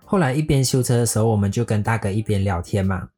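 A man telling a scripted personal story in a lively way, dropping English words into his sentences. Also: on the low side, fast, husky. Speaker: storyteller recounting a motorbike trip. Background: faint guitar music.

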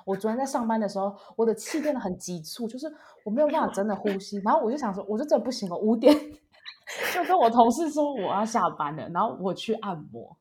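A woman's voice: fairly high pitch, quick pace. Young woman podcast host, chatty storyteller, does the voices, bit of faint hiss. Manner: animated storytelling, acting out quotes. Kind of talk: casual chat.

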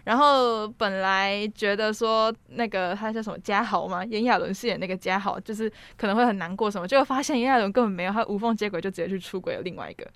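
Taiwanese girl gushing about stuff super fast, laughs a lot, dry close sound. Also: mid-range voice, dry recording. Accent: Taiwanese Mandarin. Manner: excited, gushing storyteller, laughs often. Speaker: host. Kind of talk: casual chat.

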